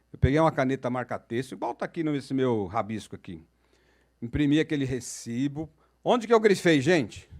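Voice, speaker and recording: Middle-aged São Paulo moderator, slightly high-pitched, jokey and engaging on stage. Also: male voice. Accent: São Paulo Portuguese. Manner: chatty, jokey, asks the crowd questions. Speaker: panel moderator. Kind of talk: storytelling talk to an audience. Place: auditorium.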